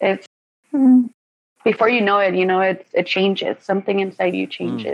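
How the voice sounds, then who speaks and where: In a Spanish accent, a woman speaks at a fairly quick pace. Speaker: college student. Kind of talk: casual discussion.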